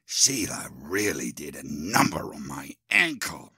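A man playing a creepy, gloating old undead grave robber in an audio drama, raspy, drawling and theatrical. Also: extremely low pitch, very animated, measured pace, sharp tone, no room sound, clean studio sound, full character voice. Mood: smugly threatening.

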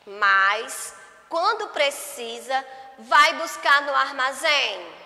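A Brazilian woman teaching young children, her voice high and bright as she stretches out each word slowly and patiently. The recording carries a long reverb, like a bare room. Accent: Brazilian Portuguese. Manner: patient, drawn-out words, spelling sounds slowly for children. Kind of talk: remote lesson for first graders.

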